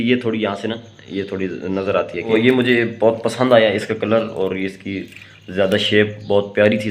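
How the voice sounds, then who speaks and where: A hoarse man talks to camera in a loose, rambling vlog style, pausing on fillers and restarting sentences. His voice sits fairly low, and a faint hiss runs behind him. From Pakistan. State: hoarse from a sore throat. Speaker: vlogger. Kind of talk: casual vlog talk to camera.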